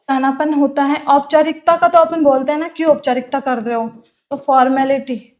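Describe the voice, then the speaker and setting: A woman gives a classroom lecture preparing students for a clerk exam, repeating terms to explain them and asking and answering her own questions. Her voice is high-pitched and darkish in tone, with fairly even intonation at a moderate pace.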